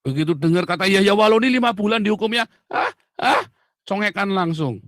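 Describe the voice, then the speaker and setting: Male commentator, fairly high voice, dry close sound, furious shouting rant. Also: animated, fast, dry recording. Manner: shouting, insulting, emphatic repetition. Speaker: online commentator. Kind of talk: angry political rant.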